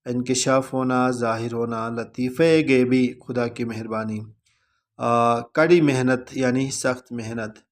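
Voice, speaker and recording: A male teacher calmly explaining word meanings in a vocabulary lesson, pausing often with "uh". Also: medium pitch. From Pakistan. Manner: measured, deliberate delivery with frequent "uh" pauses.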